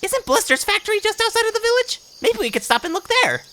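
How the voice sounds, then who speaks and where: A woman playing a small, excitable, blunt young cartoon ape in a fan audio drama. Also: very high voice, quick pace, heavily acted. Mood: curious. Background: music.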